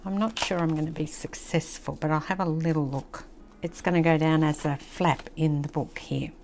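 A woman's voice: deep voice, fairly even intonation, normal speed, noisy background. An older woman with an Australian accent, chatting casually and reminiscing as she hosts a craft tutorial at a table. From country New South Wales, Australia. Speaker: craft channel host.

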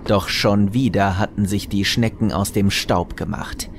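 A man's voice: on the low side, steady tone, a little slow, slight background noise. A man narrating a scripted comic audio drama with wry storytelling. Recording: loud music under narration.

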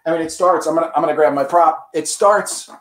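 A man with a slightly high voice talks through audio gear like a keen salesman, upbeat and chatty. The sound is roomy, with a clear echo around him. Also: steady tone, fairly quick, a bit bright. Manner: enthusiastic salesy explaining. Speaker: brand representative. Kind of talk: casual product pitch.

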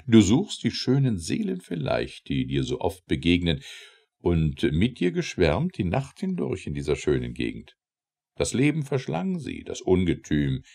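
A man voicing a proud, grandiose goddess, highly animated. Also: creaky, exaggerated voice. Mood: welcoming, then mournful, dramatic. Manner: declamatory, grandiose. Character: proud, stately city goddess, motherly yet indignant.

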